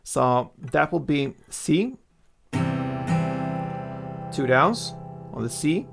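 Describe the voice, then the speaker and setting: A man with a gravelly, sing-song voice on the high side draws out his words as he gives a casual guitar lesson. He goes step by step, counting the strumming strokes, with acoustic guitar playing in the background.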